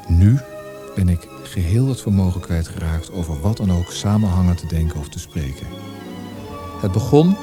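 An actor playing a troubled, introspective male writer, speaking a measured, formal monologue in a literary radio play. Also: low voice, natural voice. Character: troubled male poet-writer reflecting on losing language. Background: music.

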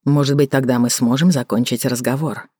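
A woman narrator voicing a calm, restrained man who speaks quietly and in a measured way. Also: rumbling low, slightly rough, dry recording, studio quality. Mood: restrained, soft. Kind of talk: audiobook character voicing.

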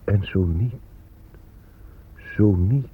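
A man's voice: fairly low pitch, slightly rough, heavily acted. An actor playing an ancient Native American man, a solemn and mournful spirit of the dead, in a radio drama monologue. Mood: solemn, wistful. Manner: solemn, measured, poetic. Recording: tinny, phone-like old radio recording.

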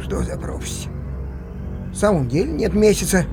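An actor playing a laconic, indifferent peasant crony in an audio play, answering tersely. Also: male voice, high-pitched, wildly swooping pitch, normal speed, music in the background, full character voice. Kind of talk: theatrical audio play acting.

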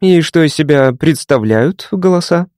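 A man's voice: fairly high pitch, lively intonation, moderate pace, darkish tone, no echo, clean studio sound, pitched above the performer's own voice, lightly acted. A man voicing a polite, curious young woman psychiatrist who asks careful questions.

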